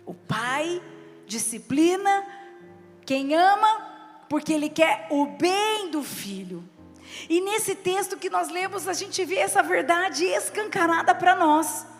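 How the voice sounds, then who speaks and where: In a reverberant church service hall with faint music behind her, a woman bishop with a Brazilian Portuguese accent preaches slowly in a very high-pitched, expressive voice. She reads scripture and explains it through stories from her own family.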